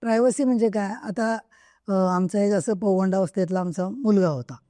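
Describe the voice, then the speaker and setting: A woman's voice: medium pitch, normal speed, warm tone, no room sound, studio quality. A middle-aged woman author answering interview questions, earnest and emphatic, often repeating her points for stress. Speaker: guest author. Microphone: podcast microphone.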